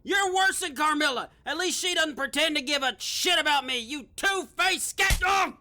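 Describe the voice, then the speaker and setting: A vicious, petulant male vampire voiced by a woman in an audio drama. The voice is sharp and forceful and swings widely in pitch, full of explosive, indignant cursing. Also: animated, moderate pace. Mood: furious. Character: hot-tempered, foul-mouthed male vampire, vicious and petulant. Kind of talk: audio drama comedy acting.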